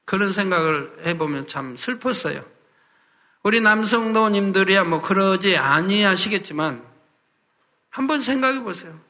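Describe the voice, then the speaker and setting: A man's voice: high voice, lively intonation, normal speed, sharp tone. A man preaching a sermon as a pastor, earnest and full of rhetorical questions to the congregation.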